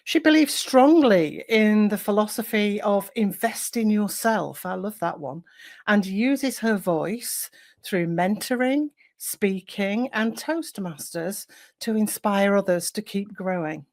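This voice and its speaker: A woman's voice: medium pitch, expressive, slow pace, a little mellow. A woman hosting an interview podcast, reading an introduction and asking encouraging questions. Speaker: podcast host.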